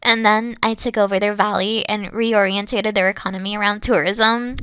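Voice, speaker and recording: A woman playing a dorky, boastful evil queen in a comedic, intimate roleplay monologue, theatrical and petulant but awkward and secretly soft. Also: mid-range voice, fairly even intonation, moderate pace, smooth, dry recording, close to an everyday voice. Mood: smug. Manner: theatrical boasting that slips into awkward, flustered stammering.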